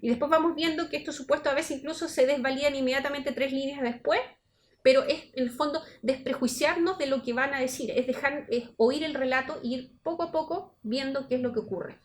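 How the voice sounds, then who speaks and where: A woman's voice: sits high, a little fast, a little hiss or hum. A woman researcher giving an academic seminar talk, explaining her method step by step and thinking aloud as she goes. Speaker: university researcher presenting at a seminar.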